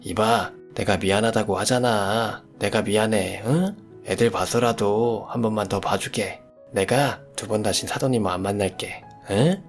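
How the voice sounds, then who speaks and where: A man voicing a bullying, shouting old father-in-law. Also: fairly low pitch, moderate pace, few pauses, soft background music, natural voice. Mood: begging. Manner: shouting, cursing. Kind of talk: storytelling radio drama voice.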